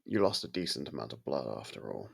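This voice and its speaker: A man playing a courteous, brooding vampire in an intimate ASMR audio roleplay, with a gravelly, husky voice and halting, hushed delivery. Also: extremely low pitch, sing-song, full character voice. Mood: calm, explaining. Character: brooding male vampire, courteous, softened toward a human. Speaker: voice actor.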